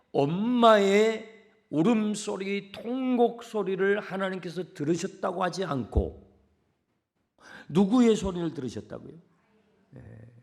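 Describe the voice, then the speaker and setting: A middle-aged male pastor preaching a sermon, moving from hushed whispers to loud cries and acting out the voices he quotes. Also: sits high, creaky. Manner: dramatic, swings from hushed whispers to shouting; acts out quoted voices in the telling.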